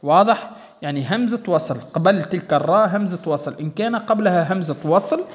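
A man explains recitation rules step by step and keeps checking that his listeners follow. His voice sits somewhat high for a man. The sound carries a long hall reverb. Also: lively intonation, fast. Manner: patient, repeats points and checks understanding. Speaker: Quran recitation teacher. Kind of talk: explanatory tajwid lesson.

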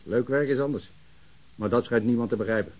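A man's voice: mid-range voice, a little fast, dull audio, natural voice. A man playing an overworked, sardonic police ballistics technician who grumbles and complains in a radio drama. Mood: aggrieved.

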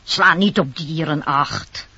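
A woman's voice: low voice, expressive, slow pace, vocal fry, bright, forceful tone, husky, exaggerated voice. An actress in a Dutch radio play voicing a scheming peddler woman who coaxes and wheedles insistently. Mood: sly, persuasive. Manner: wheedling, insistent sales patter. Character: disguised scheming peddler woman, coaxing and sly. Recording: dull noisy old radio recording.

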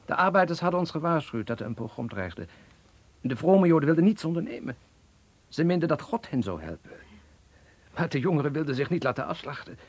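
An actor playing an earnest young Polish-Jewish revolutionary in a Dutch radio play, lecturing with hesitant pauses. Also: male voice, mid-range voice, breathy edge. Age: young adult.

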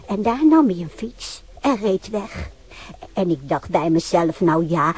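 A woman's voice: medium pitch, darkish tone, husky. A woman playing a rambling, chatty witness. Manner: rambling, gossipy storytelling. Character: chatty, rambling female eyewitness. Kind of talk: Dutch radio play acting.

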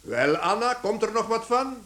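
A man's voice: high-pitched, sing-song, moderate pace, a bit bright. An actor in a radio play playing a middle-aged, bossy father who barks orders yet fawns on superiors. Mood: impatient. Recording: echoey, slightly noisy radio drama recording.

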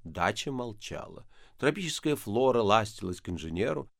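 Lively male audiobook narrator. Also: on the low side, moderate pace, creaky, dry recording, studio quality. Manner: expressive, lively storytelling. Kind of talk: scripted narration of a novel.

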